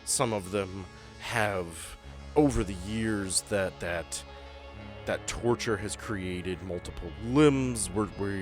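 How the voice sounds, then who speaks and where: A man with a very low, deep voice guides players through a creepy tabletop adventure, building dread with measured pauses. Soft music plays faintly beneath him. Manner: descriptive, builds tension with pauses. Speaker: game master. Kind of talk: narrating a tabletop horror game.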